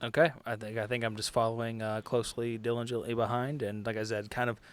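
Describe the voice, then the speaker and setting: A man playing a tabletop game, casually and haltingly describing what his character does as he thinks aloud. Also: medium pitch, flat delivery, clean tone. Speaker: player in a tabletop game podcast.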